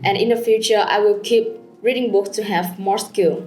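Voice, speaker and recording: Brief: Vietnamese-accented woman, an exam candidate, speaks fast and eagerly, echoey room with faint music under her. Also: medium pitch, steady tone, a little mellow. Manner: fast, eager, halting grammar with fillers. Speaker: IELTS test candidate.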